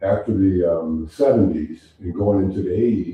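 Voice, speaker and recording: Very deep and low in pitch, a man speaks very slowly with an American accent and fairly even intonation, and room echo is audible. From Detroit, Michigan. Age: 70s. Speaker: notary at house closing; interviewee. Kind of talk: casual chat. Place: home room. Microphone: camera far.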